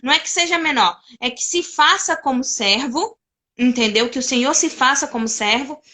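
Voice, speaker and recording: A woman's voice: sits high, lively intonation, normal speed, bright, forceful tone. A woman in a casual devotional chat on a video call, retelling scripture with many restarts. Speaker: participant in a Bible discussion.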